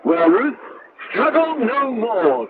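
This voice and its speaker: Loud noise and a dull shortwave signal surround a male radio host. His voice is high for a man and very lively in pitch, with upbeat, scripted co-host delivery. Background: loud shortwave static.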